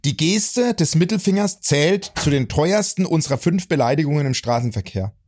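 Husky woman who laughs a lot. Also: sits low, lively intonation, normal speed, a little mellow. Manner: laughs often, short reactive interjections. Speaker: podcast co-host. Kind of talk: casual chat.

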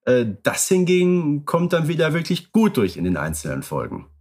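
A man's voice: on the high side, huge pitch swings, normal speed, a little mellow. A man co-hosting a podcast in casual chat, easygoing and fond of wordplay. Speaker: podcast co-host. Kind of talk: casual chat about radio plays.

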